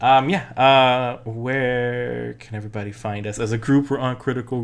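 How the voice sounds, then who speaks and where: With an unremarkable speaking voice, the speaker goes at a fairly slow pace with ordinary pitch variation. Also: man. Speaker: podcast co-host. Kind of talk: casual chat.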